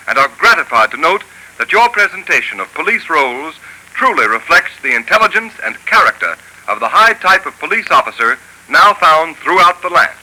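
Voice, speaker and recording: A man's voice: fairly high pitch, sharp tone, rough recording. A man announcing a 1930s radio program, with a formal, declamatory delivery. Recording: old radio broadcast.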